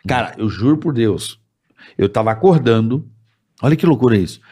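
A man chatting casually and telling a story in a lively, laughing manner. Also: mid-range voice, normal speed, slightly rough. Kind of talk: casual chat.

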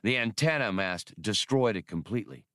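Male reader as seasoned treasure hunter, shrewd, practical, lowish voice, space-opera audiobook. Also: animated, moderate pace, fairly bright tone, no echo, clean studio sound. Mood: speculating.

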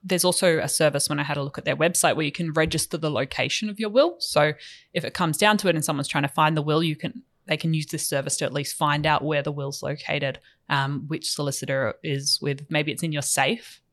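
A podcast co-host explaining finances in a steady, measured way with some filler words. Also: mid-range voice.

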